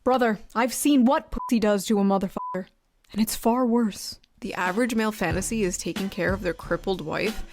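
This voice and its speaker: A woman's voice: mid-range voice, fairly quick, over music. A woman giving opinionated video commentary in a sardonic, foul-mouthed way. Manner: sardonic, profane.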